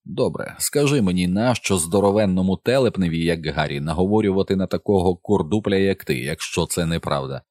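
A man's voice: sits low, a little fast, darkish tone, no echo, clean studio sound, natural voice. A man voicing a blunt, commanding middle-aged police officer in an audiobook. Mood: stern authority. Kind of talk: audiobook character voice.

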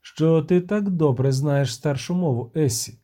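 Geralt, man doing a terse gruff monster hunter. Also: a little high, a little slow, dark tone, lightly acted. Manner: curt, dry replies.

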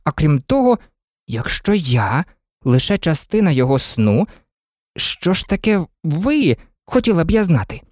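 A woman's voice: sits low, very animated, unhurried, darkish tone, no echo, clean studio sound, exaggerated voice. A woman voicing a sensible, polite young girl in a storybook reading, earnest and thoughtful.

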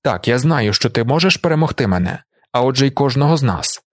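A man's voice: mid-range voice, lively intonation, quick pace, no echo, studio quality, natural voice. A man reading the lines of a stern tribal chief in an audiobook, firm and commanding.

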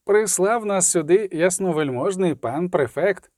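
A swaggering outlaw with a rough, folksy tongue, as a male reader puts him on. He swings his lively voice high and low while bluffing his way through, and the sound is close and dry. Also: measured pace, no echo. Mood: falsely hearty. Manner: boastful, rough folksy slang. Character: brash swaggering male outlaw, smooth liar.

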